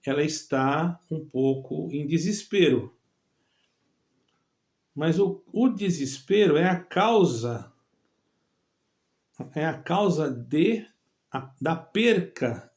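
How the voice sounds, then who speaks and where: A middle-aged man who grew up between Brazil and Portugal, hosting his own evangelical channel and speaking directly to fellow believers in a halting way, with many pauses and restarts. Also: a little high, a little mellow.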